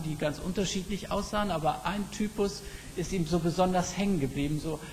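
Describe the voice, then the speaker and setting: A man preaching a sermon, reflective and slow, telling stories with emphatic pauses. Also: a little high. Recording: long reverb with faint background noise.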